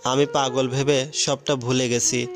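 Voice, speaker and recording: A man reading the part of a poor, timid young woman who speaks softly, with music behind. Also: medium pitch, flat delivery, a little slow, lightly acted. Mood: meek. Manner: soft, meek.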